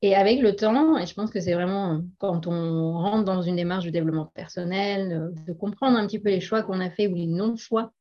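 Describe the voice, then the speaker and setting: A woman's voice: fairly low pitch, brisk, few pauses. A middle-aged woman speaking as a guest in a casual interview, earnest and hesitant, with frequent laughs. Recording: dull lo-fi audio.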